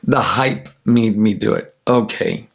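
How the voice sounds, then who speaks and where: Raspy, gravelly man gushing over cards. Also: fairly low pitch, takes it slowly. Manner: gushing, enthusiastic, with many fillers. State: congested from allergies. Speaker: tarot deck reviewer. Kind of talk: casual chat showing cards.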